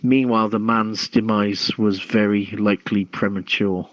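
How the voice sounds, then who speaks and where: A man hosting a talk show, reading news stories aloud with a halting delivery and repeated words, through a dull microphone. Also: fairly low pitch, fairly even intonation, no echo. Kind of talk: reading a news article aloud, with casual chat.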